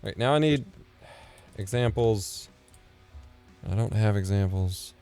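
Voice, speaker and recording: A man in his thirties live-streaming from his home setup as he edits video, thinking out loud and muttering asides under his breath. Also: on the low side, slow pace. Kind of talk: casual live-stream commentary while video editing. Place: home streaming room, indoors. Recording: dry close mic with faint music.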